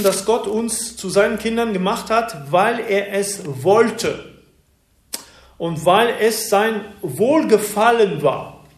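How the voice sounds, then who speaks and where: A man preaching a Bible-teaching sermon, explaining verses slowly and deliberately with occasional hesitations. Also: high-pitched, echoey room. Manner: slow, deliberate expository delivery with some hesitations.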